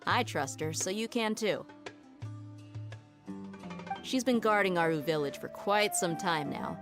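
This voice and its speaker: A woman's voice: lowish voice, unhurried. A woman playing a shrewd, cool-headed young desert mercenary in a video game, speaking in a self-assured, matter-of-fact way. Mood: composed, trusting. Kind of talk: dramatic video game voice acting. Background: music.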